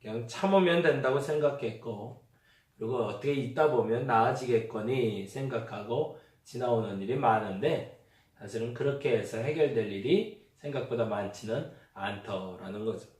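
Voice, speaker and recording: A man's voice: medium pitch, moderate pace, a little mellow. A male pastor preaching a conversational sermon, acting out everyday remarks as he goes. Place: church sanctuary. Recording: echoey church hall, mic at a distance.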